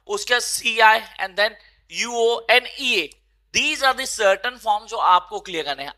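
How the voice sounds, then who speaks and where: Bright, emphatic teacher. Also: male voice, high voice. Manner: emphatic, repeats key points, switches languages fast. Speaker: English teacher. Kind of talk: explainer lesson mixing Hindi and English.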